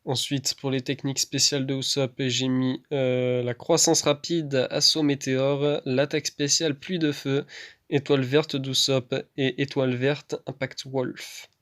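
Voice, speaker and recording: A man talking through a gameplay video in a relaxed, chatty way. His voice is smooth and clear, and his pitch stays fairly level. He keeps pausing on fillers and restarting his sentences. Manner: hesitant, full of fillers and restarts. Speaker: gaming YouTuber. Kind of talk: casual gameplay voice-over commentary.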